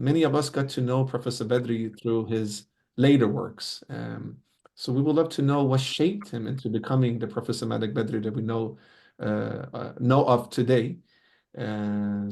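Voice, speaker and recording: A man's voice: mid-range voice, gravelly, a little mellow. A man hosting an online tribute over a video call, courteous and formal, with many religious blessings in his speech. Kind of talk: formal moderating.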